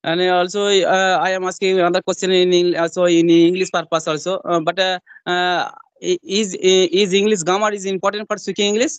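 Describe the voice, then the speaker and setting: A man's voice: high voice, level tone. A man. He stops and restarts often and keeps saying "yes, yes". The sound is dry and close, with no room echo. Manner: repeats "yes, yes" as backchannel, halting questions. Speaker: interviewer, English practice partner. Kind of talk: conversation practice interview.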